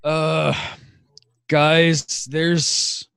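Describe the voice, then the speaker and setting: Slow-spoken man running a tabletop game. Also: fairly high pitch, gravelly, smooth, no room sound, clean studio sound. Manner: relaxed, laughing, with frequent fillers. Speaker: game master.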